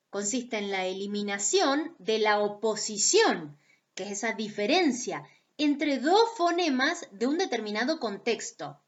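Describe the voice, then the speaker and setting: A woman teaching a recorded lesson on phonetics, explaining slowly, repeating key points and checking in with her students. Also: fairly high pitch, a bit bright, lo-fi sound.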